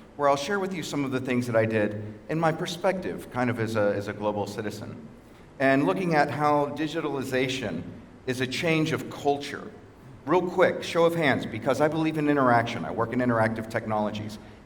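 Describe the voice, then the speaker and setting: In a Texan accent, a man speaks fairly quickly at a medium pitch with lively intonation and audible room echo. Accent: American, Texan. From Texas. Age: 40s. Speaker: digital construction expert, conference speaker. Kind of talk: conference talk. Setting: stage with audience. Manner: fast; animated.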